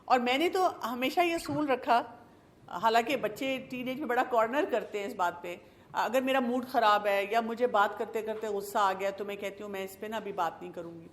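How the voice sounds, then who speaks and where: Calm middle-aged woman giving parenting advice. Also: a little high. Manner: calm, explanatory, mixes English phrases into her speech. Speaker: child psychologist and parenting speaker. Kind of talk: parenting talk to camera.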